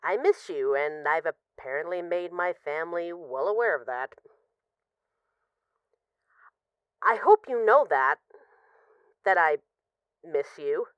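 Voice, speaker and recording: A woman's voice: lowish voice, unhurried, clean tone, no room sound, lo-fi sound, lightly acted. A woman playing an affectionate, wry mafia boss who misses her partner, rambling hesitantly through intimate voicemails in an audio roleplay. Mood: tender, hesitant. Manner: hesitant, sighing, wry, conversational.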